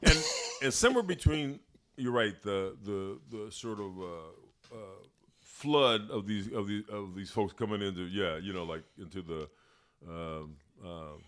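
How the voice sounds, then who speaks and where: On a very clean recording with a silent background, a man with an American accent talks at a fairly slow pace with lively intonation, long, frequent pauses and big swings in loudness. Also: fairly low pitch for a man. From Los Angeles. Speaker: writer. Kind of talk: podcast interview answer. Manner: genial.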